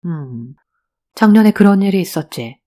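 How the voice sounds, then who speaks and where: A woman voicing a tall, composed young male detective who speaks in a cold, measured way in an audiobook drama. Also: lowish voice, expressive, dark tone, natural voice. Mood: cool.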